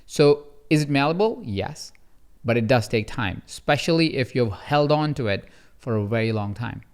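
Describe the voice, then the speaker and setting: Guy hosting a coaching podcast, smooth clear voice, animated when he acts out quotes. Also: mid-range voice, moderate pace. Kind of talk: conversational storytelling.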